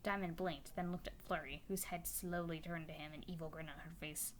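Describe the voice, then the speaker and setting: A woman's voice: deep voice, fairly even intonation, fairly quick, slight background noise. A woman narrating a fan story as a dramatic reading. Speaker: story reader.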